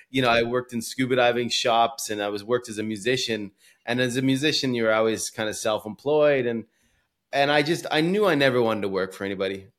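In a North American accent, a man at medium pitch talks very fast with ordinary pitch variation on a very clean recording with a silent background. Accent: North American, non-European. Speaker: startup CEO. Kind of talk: casual interview.

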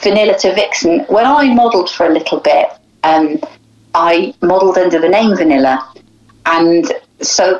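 Over noticeable background noise, a woman at a medium pitch talks at a moderate pace with lively intonation, very even loudness, and long, frequent pauses. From Wales. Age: 50s. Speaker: podcast guest. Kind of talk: casual phone interview, personal storytelling. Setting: phone call. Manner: chatty, humorous.

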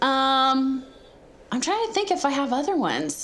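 A woman speaks in a high pitch with very wide pitch swings. Audible room echo and noticeable background noise surround her. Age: 30s. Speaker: mental health therapist. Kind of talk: casual chat.

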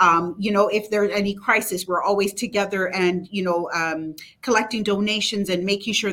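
A woman with a Jamaican Canadian accent talks at a fairly quick pace in a medium pitch and a flat, monotone delivery, with noticeable background noise. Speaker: diaspora council representative. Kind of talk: casual interview. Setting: video call.

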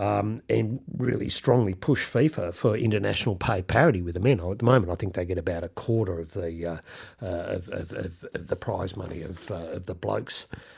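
This man has an Australian accent and a fairly low pitch. His voice is somewhat breathy. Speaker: podcast host, PR consultant and former journalist. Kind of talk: casual chat. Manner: halting, many repetitions.

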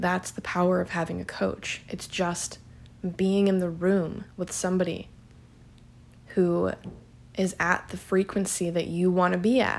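Long, frequent pauses break up monotone, flat speech in a very clean recording with a silent background. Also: woman, medium pitch for a woman. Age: 20s. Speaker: podcast host and spiritual coach. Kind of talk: solo monologue podcast. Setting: solo recording.

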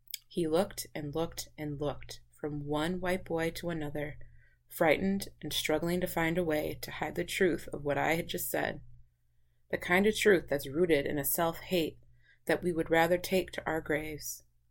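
A woman speaks in a dramatic tone with monotone, flat intonation. Her very deep, low voice carries vocal fry. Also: moderate pace. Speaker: podcast host and book reader. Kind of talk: literary audiobook reading of a memoir, with conversational podcast intro and outro.

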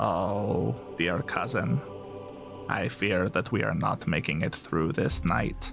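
A put-on character voice from a man, very deep and low, at a fairly slow pace, with clear music in the background. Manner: tender, solemn.

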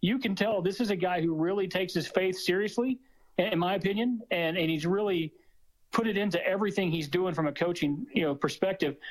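A man speaks in an Arkansas accent with a high pitch. His pace is fairly quick and his loudness very even. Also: ordinary pitch variation. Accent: Southern US (Arkansas). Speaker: college football commentator. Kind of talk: casual sports chat. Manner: animated.

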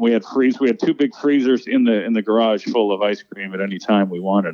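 A man with an American accent and a normal speaking voice talks at a fairly quick pace with a fairly low pitch. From US West Coast, Orange County (born Toledo, Ohio). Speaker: comedian. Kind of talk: casual chat. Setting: remote from home.

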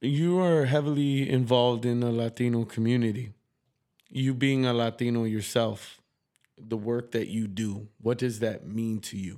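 With a plain, everyday voice, a man talks at a moderate pace, his medium pitch showing ordinary pitch variation. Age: 30s. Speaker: podcast host. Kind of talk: casual interview.

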